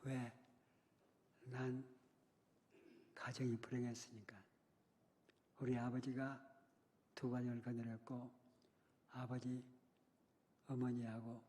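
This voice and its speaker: An older man giving an impassioned sermon as a guest speaker at a church, swinging from hushed tones to loud emphasis. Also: medium pitch. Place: church sanctuary. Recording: long hall reverb.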